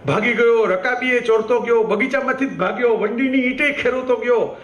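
A man's voice: very high voice, brisk, fairly bright tone, echoey room, voice pushed up. A man voicing a fretful old housemaid in a spoken storytelling, with an alarmed, lamenting way of talking. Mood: anxious.

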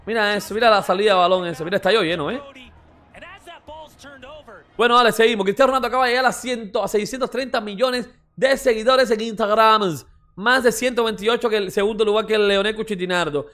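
A man hosting a football reaction video, rambling and mocking in a slangy, excited way. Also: high voice, fairly quick. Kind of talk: excited casual reaction commentary.

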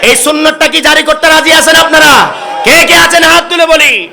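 A man's voice: extremely high pitch, normal speed, creaky, pushed and bright, shouting. A man from Bangladesh preaching a sermon, calling out to the gathering for responses. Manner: calls out to the crowd for responses. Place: religious gathering.

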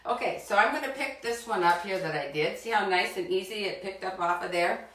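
A middle-aged woman hosts a live children's cooking demonstration in her home kitchen, chatting encouragingly and speaking directly to the kids. Her mid-range voice is brisk and fairly bright. A far-off camera captures roomy, distant kitchen sound.

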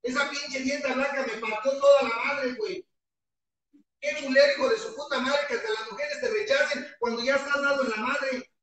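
A man's voice: very high voice, expressive, moderate pace, pushed and bright. Profane Mexican man in an echoey hall. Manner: heavily profane, impassioned, voice often breaking. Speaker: recovering alcoholic giving testimony. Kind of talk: impassioned testimony at a support-group meeting. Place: meeting hall with an audience. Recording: echoey hall, mic far off, crowd behind.

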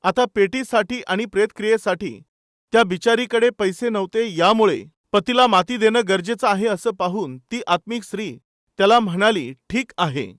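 A man's voice: sits high, normal speed, a bit bright, no room sound, studio quality. A man preaching a sermon with stories. He is emphatic, asks his listeners rhetorical questions and acts out the dialogue. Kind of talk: sermon with storytelling.

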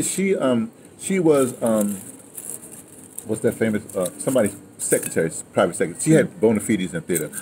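A man's voice: fairly low pitch, darkish tone. An older American man telling stories from his life in casual conversation, rambling and emphatic, recorded outdoors at a table. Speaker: interview guest, playwright and audio dramatist. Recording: noisy outdoor ambience on open mic.

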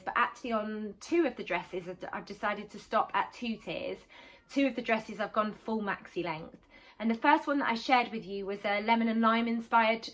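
A woman's voice: medium pitch, fairly bright tone. A woman in her thirties with a slightly sore throat, chatting casually about her sewing in a small home room, with lots of "um"s as she rambles along. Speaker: sewing vlogger and teacher. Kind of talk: chatty sewing catch-up vlog.

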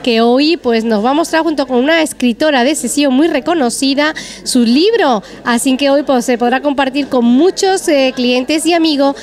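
A high-voiced woman hosts an interview at a restaurant event. She speaks chattily and steers the questions. She holds a handheld mic in the dining room. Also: normal speed, few pauses.

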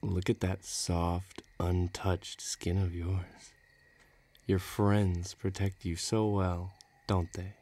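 A man's voice: low voice, little pitch movement, slow pace, dark tone, exaggerated voice. A man playing a menacing, bloodthirsty villain who taunts and threatens in an audio roleplay. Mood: menacing, savoring. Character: menacing bloodthirsty male villain craving a duel.

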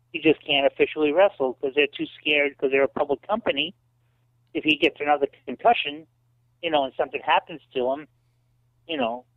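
A man in his late fifties tells lively anecdotes as an interview guest, sprinkling in "you know" as he goes. His voice sits a little high for a man and comes through a thin, phone-like line with a completely dry sound. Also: creaky, dry recording. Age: 50s. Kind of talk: casual storytelling interview.

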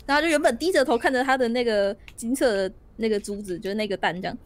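A woman streamer narrating a story in a tabletop storytelling game, animated and laughing often. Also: on the high side, quick pace.

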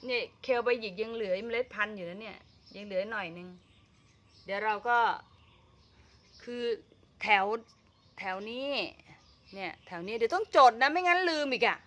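A woman's voice: medium pitch, expressive, normal speed, pauses often, fairly bright tone. A woman vlogging about her home vegetable garden, chatting casually and talking to herself as she works. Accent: Thai. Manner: chatty, talks to herself while working, frequent fillers and laughs. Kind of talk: casual gardening vlog narration.

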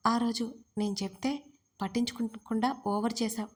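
A woman narrator voicing a gentle, newly married young groom in an audio story. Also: fairly high pitch, fairly even intonation, normal speed, close to an everyday voice. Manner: gentle and coaxing.

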